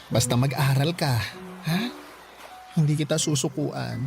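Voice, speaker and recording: A man's voice: mid-range voice, a little slow, gravelly, music in the background. A man acting a flamboyant, loving but stern gay adoptive mother with a Filipino accent, campy and sassy, in a radio drama. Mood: stern, proud. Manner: campy, theatrical, code-switching into English exclamations.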